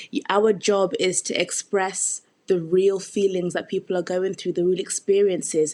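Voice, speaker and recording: In a South London accent, a woman speaks at a medium pitch and a moderate pace. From South London, England. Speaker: actor. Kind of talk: interview.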